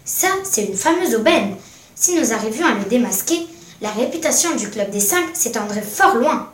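A woman's voice: on the high side, expressive, moderate pace, natural voice. A woman reading aloud, voicing a bold, bossy girl adventurer in a storybook, recorded with roomy echo from a distance. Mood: eager. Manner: eager, commanding.

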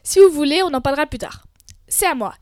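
A young woman co-hosting a scripted debate show, lively and opinionated. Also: sits high, fast, dry recording, clean studio sound. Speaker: co-host.

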